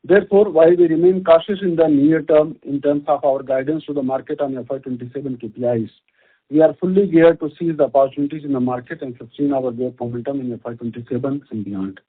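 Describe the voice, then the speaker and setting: Speaking as a company executive, a man with an Indian accent reads a scripted earnings presentation in a formal, measured way. His voice is medium-pitched and husky, and the conference call line makes it sound muffled and band-limited.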